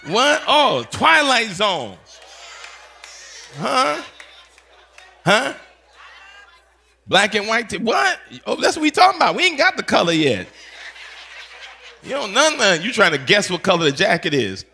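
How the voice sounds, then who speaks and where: A pastor in his fifties, talking in a playful, animated way and teasing his audience with quick call-outs. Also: high-pitched, gravelly. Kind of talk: playful teaching session talk.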